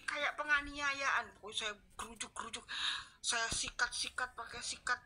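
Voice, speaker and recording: A woman, a fitness instructor, chatting casually late at night and telling animated stories full of sighs of dismay. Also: a little high, normal speed.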